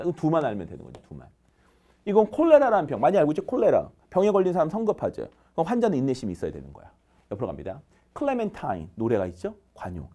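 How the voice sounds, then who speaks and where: A man teaching English vocabulary in a lively lecture, drilling students with call-and-response and counting off answers. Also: fairly high pitch.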